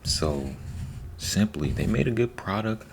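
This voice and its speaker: A man giving a soft-spoken ASMR ramble, unhurried and repetitive, sometimes slipping into a whisper. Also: lowish voice, animated, vocal fry, slight background noise. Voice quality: soft, partly whispered delivery. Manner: unhurried, rambling, repeats himself. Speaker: ASMR host.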